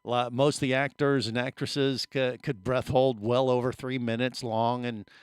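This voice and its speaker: Radio host guy, smooth resonant voice, dry booth, excited and rambling. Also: mid-range voice, moderate pace, no room sound. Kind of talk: interview conversation. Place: radio studio.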